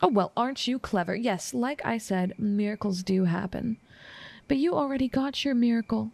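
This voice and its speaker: A woman playing an obsessive, smug assassin smitten with her target, speaking in a teasing, formal, measured and menacing way in an intimate audio roleplay. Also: a little high, vocal fry, darkish tone, dry recording. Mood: taunting.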